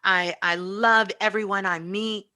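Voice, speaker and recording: A woman's voice: medium pitch, steady tone, a little slow, pushed and bright. A woman giving an impassioned spiritual talk as a guest teacher, emphatic and repetitive like a preacher.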